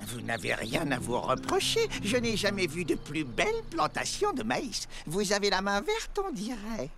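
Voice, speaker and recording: A woman's voice: mid-range voice, wildly swooping pitch, normal speed. A woman voicing a kindly, fussy old elder of tiny cartoon creatures, speaking in a courtly, pondering, emphatic way for a children's dub.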